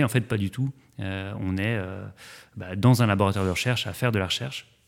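A man speaks at a fairly quick pace in a fairly low pitch, with fairly even intonation and vocal fry. The recording is very clean with a silent background. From France, Vosges. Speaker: startup founder, former researcher. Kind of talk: interview. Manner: hesitant, many fillers.

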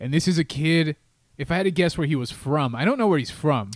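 The voice is loud with lively intonation, captured on a very clean recording with a silent background. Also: man. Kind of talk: casual comedic chat. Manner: loud, talkative.

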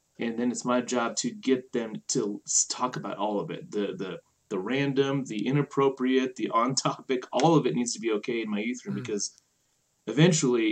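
A man with an American accent at medium pitch, talking at a fairly quick pace with lively intonation. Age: 30s. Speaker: youth pastor. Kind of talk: casual interview. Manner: halting.

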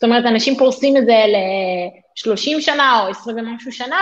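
An ordinary speaking voice, a woman's, fairly high-pitched and at a moderate pace. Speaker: real estate entrepreneur. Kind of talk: interview.

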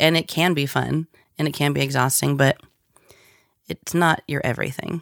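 A woman speaks at a moderate pace with an American accent, her pitch very deep and low with vocal fry. She leaves long, frequent pauses. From San Diego, California. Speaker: voice actor and live announcer. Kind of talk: interview. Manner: animated.

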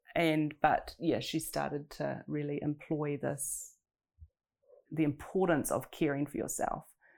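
Someone with a New Zealand accent speaks at a fairly slow pace on a very clean recording with a silent background. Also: woman. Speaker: nutritionist. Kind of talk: casual chat.

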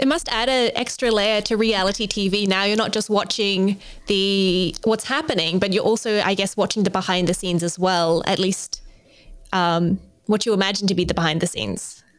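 A woman uses a normal speaking voice, talking at a moderate pace with ordinary pitch variation. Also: medium pitch for a woman, very even loudness. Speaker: podcast host. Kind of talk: casual interview.

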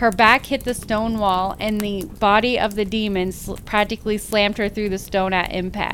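The voice is reading aloud in a natural voice, with fairly even intonation.

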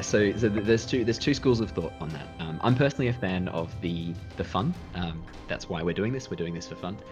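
Over music in the background, a man with a strong Australian accent speaks at a moderate pace in a very deep, low voice. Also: lively intonation. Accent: broad Australian. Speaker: Dungeon Master and podcast host.

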